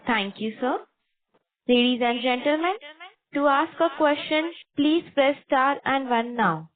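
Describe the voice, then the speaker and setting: A woman's voice: high-pitched, lively intonation, a little slow. A woman with an Indian accent moderating a conference call as operator, formal and polite in scripted phrases. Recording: dry narrowband phone line.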